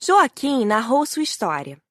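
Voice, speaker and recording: A woman's voice: a little high, very animated, measured pace, fairly bright tone, no echo, clean studio sound. A woman narrating an audiobook in the first person with a descriptive storytelling delivery.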